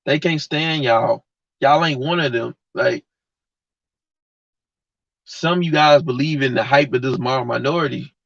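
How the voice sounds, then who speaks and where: Pausing often at a measured pace, a livestream host with a medium-pitched, creaky, slightly bright voice rants bluntly and heatedly in slang to his viewers. It's recorded on a dull lo-fi mic with no room sound.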